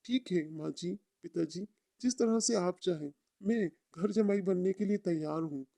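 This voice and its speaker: A woman's voice: lowish voice, unhurried, vocal fry, mellow, no room sound, pitched below the performer's own voice. A woman voicing a poor but proud young man in love, speaking plainly and sincerely in a story. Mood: resigned.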